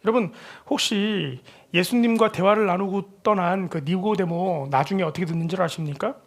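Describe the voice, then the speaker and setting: A man's voice: high-pitched, normal speed. Brief: male pastor, sermon, conversational, asks the listeners questions.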